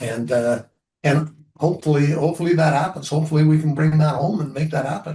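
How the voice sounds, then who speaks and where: Speaking at a very fast pace, a man uses a fairly high pitch with fairly even intonation. His tone is dark and mellow, and somewhat breathy. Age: 60s. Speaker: rural municipality reeve. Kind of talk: interview. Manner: halting, with many repeated words.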